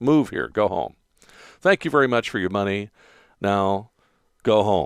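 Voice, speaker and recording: A man's fairly low voice with an American accent, lively intonation and a fairly quick pace, in a very clean, dry, close recording with a silent background and no echo. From US West Coast, San Diego, California. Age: 60s. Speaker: podcast host, firearms trainer. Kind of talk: solo podcast monologue. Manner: conversational, rambling with fillers.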